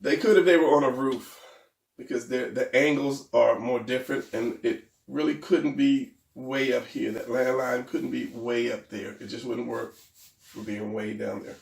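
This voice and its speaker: A man's voice: medium pitch, fairly even intonation, moderate pace, vocal fry, echoey room, far from the mic. A man teaching drawing in a casual, hesitant and rambling way, his voice a little stuffy and worn. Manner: hesitant, rambling, self-deprecating. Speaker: drawing instructor.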